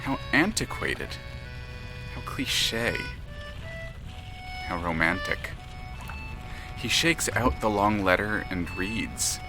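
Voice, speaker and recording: A man narrates an audio drama as a literary storyteller. His voice sits a little low but moves expressively, measured and dramatic, with music clearly behind it. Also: expressive, poor audio.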